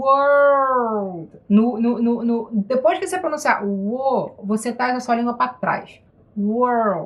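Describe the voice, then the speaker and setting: With a slight Brazilian accent, a woman speaks at a high pitch and a fairly slow pace. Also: ordinary pitch variation. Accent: Brazilian, slight closed sound in English. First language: Portuguese. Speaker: English pronunciation teacher. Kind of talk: pronunciation tutorial conversation.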